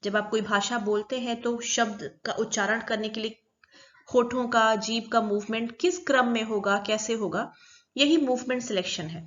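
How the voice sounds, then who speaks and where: A woman's voice: on the high side, moderate pace, a bit bright, dull audio. A woman teaching a recorded psychology lecture, explaining step by step and repeating key terms.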